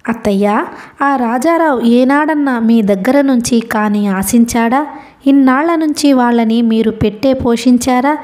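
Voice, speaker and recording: Tearful bitter mother, voiced by a woman narrator, high mellow voice, crying through reproach. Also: a little slow, lightly acted. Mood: reproachful. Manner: pleading, reproachful. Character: grieving middle-aged mother, bitter and tearful.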